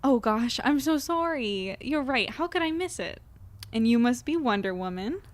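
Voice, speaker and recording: A woman's voice: a little high, animated, moderate pace, close to an everyday voice. An actress playing a friendly, talkative, wry young woman in a naturally acted audio drama. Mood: friendly, playful.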